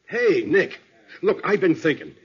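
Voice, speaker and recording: An actor playing an earnest, matter-of-fact police sergeant with colloquial talk, in 1940s radio style. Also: male voice, on the high side, sing-song, a little slow, slightly rough, heavily acted. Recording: noisy, muffled old radio recording.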